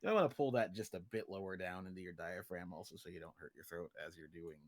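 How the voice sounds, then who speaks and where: A man's voice: deep voice, fast, no room sound. A man who works as a voice actor and director, chatting casually and jokily, acting out little quotes, close to the microphone. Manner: jokey, expressive, acts out quotes. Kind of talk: casual chat.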